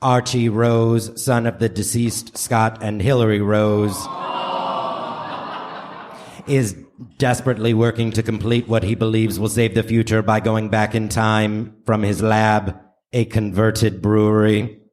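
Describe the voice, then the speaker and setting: A man's voice: lowish voice, flat delivery, a little slow, a little mellow. A man narrating in a grandiose, theatrical mock old-time radio announcer style on a live stage. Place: theater stage before audience. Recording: noisy live theater recording.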